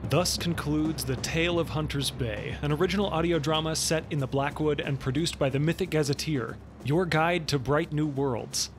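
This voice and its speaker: A man's voice: a little high, normal speed, over music. A man announcer reading scripted closing credits for an audio drama.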